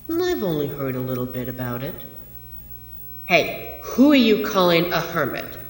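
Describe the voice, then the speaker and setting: A man playing a grumpy, haughty monster from under a child's bed in an audio roleplay, speaking in a dry, pompous, deliberate way with exasperated sighs. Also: on the high side. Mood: grudging. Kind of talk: scripted ASMR roleplay audio drama. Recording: echoey, reverberant room effect.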